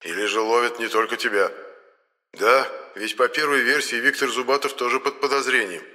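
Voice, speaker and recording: A man voicing a grumpy, fussy male companion who talks slowly and quietly. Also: steady tone, long reverb tail, natural voice. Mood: grumbling. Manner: grumbling, unhurried, low-key.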